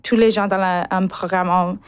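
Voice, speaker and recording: A woman, a native English speaker, talking as a musical theatre actress in halting French that slips into English words. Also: on the low side, fairly even intonation, smooth. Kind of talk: interview.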